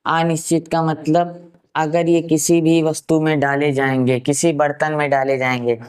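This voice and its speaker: A man from Uttar Pradesh giving a science lesson, asking rhetorical questions and answering them himself, and slowly repeating key terms for note-taking. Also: fairly high pitch, little pitch movement, clear, resonant tone. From Uttar Pradesh, India. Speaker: science teacher. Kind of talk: classroom science lecture.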